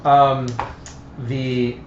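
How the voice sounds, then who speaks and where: A man casually explains rules while playing a tabletop game, thinking aloud in a halting way. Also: medium pitch, level tone. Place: room, live stream of a group game. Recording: roomy, dull, lo-fi with faint noise.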